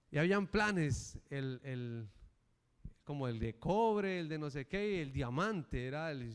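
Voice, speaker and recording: A middle-aged male preacher giving a sermon and telling a personal story with animated, acted-out voices. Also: on the high side, smooth. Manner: animated storytelling, acting out the characters. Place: church. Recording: reverberant church hall.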